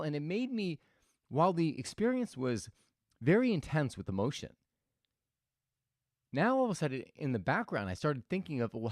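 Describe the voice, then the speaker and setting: A man's voice: medium pitch, a little mellow, no echo, studio quality. A man hosting a reflective motivational talk, telling stories thoughtfully with frequent restarts. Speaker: host.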